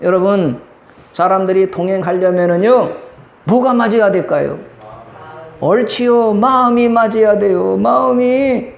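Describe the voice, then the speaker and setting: A male pastor preaching a Sunday sermon in a lively way, acting out little dialogues. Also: high-pitched, a little slow, creaky, reverberant, lo-fi sound. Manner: lively, acts out quoted dialogue. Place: church sanctuary.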